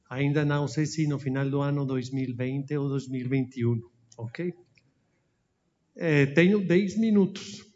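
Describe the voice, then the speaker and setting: A man who speaks Portuguese as a second language, with a Spanish accent and Spanish mixed in, gives a formal slide presentation at an anniversary event, pausing often to search for words. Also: a little high, a little mellow. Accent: Spanish-speaking, mixing Spanish into Portuguese. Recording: dull lo-fi audio.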